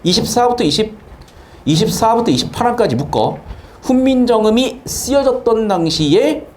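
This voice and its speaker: A man teaching a Korean grammar class in a lively lecture style. He repeats key points and keeps asking his students whether they follow. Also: high-pitched, normal speed, slight background noise. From South Korea, Changwon.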